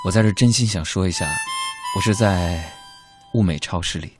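A man's voice: deep voice, normal speed, over loud music. A man hosting a show, telling comic stories about his family in a chatty, joking, mock-grumbling way. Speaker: comedy show host. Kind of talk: comic storytelling monologue.

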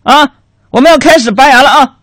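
A man's voice: extremely high pitch, a little fast, a bit bright, no echo, voice pushed up. A man doing a sing-song coaxing doctor. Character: gentle doctor with a falsely soothing bedside manner.

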